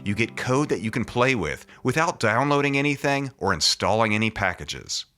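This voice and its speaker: Male podcast host, bright forceful tone, lively swooping intonation, punchy scripted delivery over music. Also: mid-range voice, normal speed. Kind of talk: scripted upbeat introduction, then interviewing.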